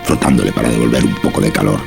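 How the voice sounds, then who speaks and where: A man's voice: extremely low pitch, steady tone, very fast. A man narrating a scripted horror story. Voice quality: gravelly. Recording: music behind the voice.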